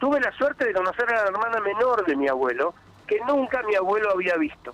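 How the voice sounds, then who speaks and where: A man speaks at a fairly quick pace in a high voice, his pitch swinging very widely while his loudness stays very even. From Buenos Aires, Argentina. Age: 70s. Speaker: veterinarian. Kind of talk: interview. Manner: animated.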